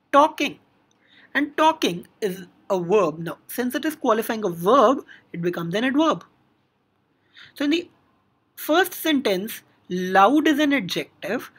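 A woman's voice: on the high side, slightly rough. A woman with an Indian English accent teaching a grammar lesson, explaining step by step with frequent "now" and "so".

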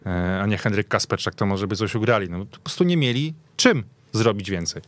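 A man with a fairly low voice chats as a football pundit in a podcast discussion. The sound is dry and close, and his way of talking is conversational, often tacking on little questions. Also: a little fast, no echo. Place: radio studio.

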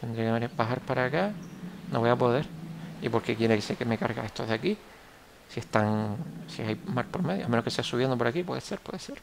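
A man's voice: medium pitch, fairly quick, gravelly, a little hiss or hum, rough recording. A young man with a Canarian Spanish accent, giving casual gameplay commentary as he plays, rambling and correcting himself as he thinks aloud. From Canary Islands, Spain. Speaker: gameplay tutorial host.

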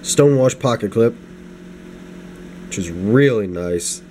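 Low-voiced man, sniffly and rambling. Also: animated, slow, mellow. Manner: rambling, self-deprecating, many restarts and asides. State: low energy, getting over the flu, sniffly. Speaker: knife reviewer. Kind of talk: casual unscripted product review. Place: home desk at night. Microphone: camera mic, hands-only framing. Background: space heater hum.

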